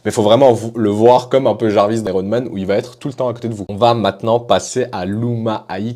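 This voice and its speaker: A man's voice: on the low side, dark tone. A man presenting apps in a casual tutorial, talking with enthusiasm. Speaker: tech YouTuber. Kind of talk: app tutorial.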